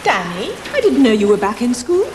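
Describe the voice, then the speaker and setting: In a reverberant space with rain, a stern British schoolteacher from a television drama. Her high voice swings sharply as she scolds in clipped, exasperated phrases. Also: wildly swooping pitch, normal speed. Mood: brisk disapproval. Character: stern, exasperated female schoolteacher demanding respect. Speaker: actor in a school drama series. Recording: echoey hard space with rain noise.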